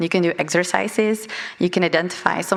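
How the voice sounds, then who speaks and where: Noticeable background noise accompanies words spoken at a fairly quick pace. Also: woman. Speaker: physiotherapist. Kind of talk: conference presentation.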